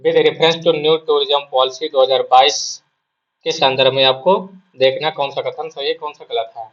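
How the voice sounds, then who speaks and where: A man's voice: mid-range voice, fairly even intonation, a little slow, dull audio. A male exam prep teacher with a sore throat gives a casual spoken lesson, repeating his points and asking and answering his own questions.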